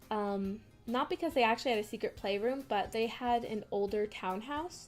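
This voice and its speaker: Lively intonation moves at a moderate pace while music plays in the background. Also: woman, fairly high pitch for a woman. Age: 20s. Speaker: gaming youtuber. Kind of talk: casual commentary over gameplay. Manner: hesitant, many fillers.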